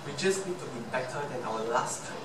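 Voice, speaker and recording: A man's voice: medium pitch, lively intonation. A young man from Malaysia with a Malaysian English accent, a Chinese native speaker giving an earnest motivational speech full of rhetorical questions. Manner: earnest, rhetorical questions, slow emphatic repeats. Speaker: club speaker. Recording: echoey room from far off, noisy.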